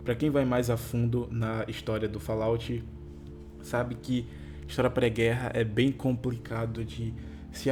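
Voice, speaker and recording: With music playing in the background, a Brazilian Portuguese-speaking man narrates a YouTube video at a medium pitch, reading from a script before casually signing off to his audience. His tongue-tie impediment makes certain consonants, including R, S, T and L, hard to articulate.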